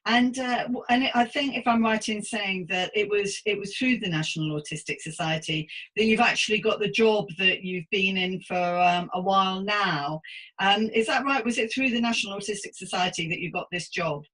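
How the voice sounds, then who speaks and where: A woman in her fifties with a very bright, forward voice at a middle pitch. She hosts a casual interview in a chatty, effusive way, encouraging her guest as she goes. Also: normal speed, low-quality recording. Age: 50s. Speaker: podcast host interviewing a guest.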